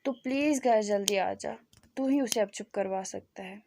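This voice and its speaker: A woman's voice: mid-range voice, normal speed, vocal fry, warm tone, slight background noise, lightly acted. A woman voicing a worried old grandmother who urgently calls her grandson home in a told story. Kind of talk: storytelling fan fiction.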